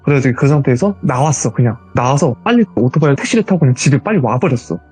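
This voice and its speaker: A man telling his own ghost story as a guest, in a casual, animated retelling. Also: mid-range voice, fast talker, breathy edge, faint music behind.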